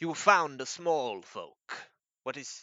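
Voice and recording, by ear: A man uses a put-on character voice. His pitch is fairly high.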